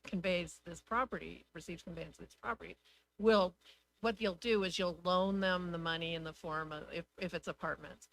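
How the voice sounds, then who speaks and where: Bright, creaky-voiced woman giving expert advice. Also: fairly low pitch, slight background noise, low-quality recording. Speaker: housing development consultant. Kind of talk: informal expert advice at a public meeting. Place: indoor public meeting.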